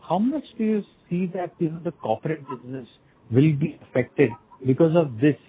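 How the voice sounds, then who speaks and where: A man asking informal questions as an investor on an earnings call, haltingly piecing them together over the phone. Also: fairly high pitch, expressive, husky. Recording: muffled narrowband phone line.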